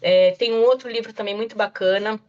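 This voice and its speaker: In a muffled recording, a literacy specialist speaks to educators in an online lecture with a medium-pitched, darkish voice. Her tone stays steady and her pace is fairly quick, and she talks straight to her audience with frequent "tá?" and "né?".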